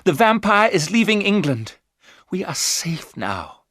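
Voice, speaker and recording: A man's voice: high voice, sing-song, a little slow, a bit bright, no echo, clean studio sound, voice pushed up, heavily acted. A man reading aloud, voicing an earnest, protective young husband who speaks with passion.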